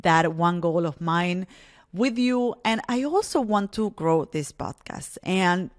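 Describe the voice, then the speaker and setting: A woman's voice: lowish voice, expressive, takes it slowly. A woman whose first language is Spanish, hosting a solo podcast in an earnest, encouraging way with frequent restarts. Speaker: podcast host.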